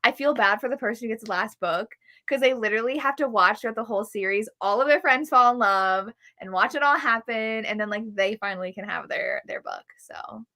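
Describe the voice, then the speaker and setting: A woman's voice: fairly high pitch, brisk, few pauses, sharp tone. A woman chatting casually about books on a live show, peppering her talk with "like" and acting out quotes. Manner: heavy use of "like". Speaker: co-host of a book club readalong.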